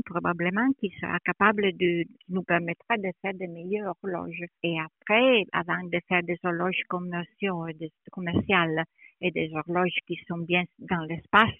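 A woman who is not a native French speaker, explaining in an interview with a foreign accent in French, haltingly searching for words. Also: on the low side, gravelly, no room sound, narrow, tinny audio. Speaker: interviewed metrology department director.

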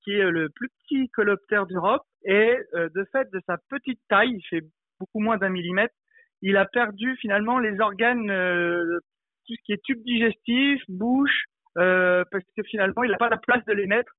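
High-voiced man on a tinny phone line. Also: moderate pace, no echo. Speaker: entomologist, interview guest. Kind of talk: spontaneous explanatory interview talk.

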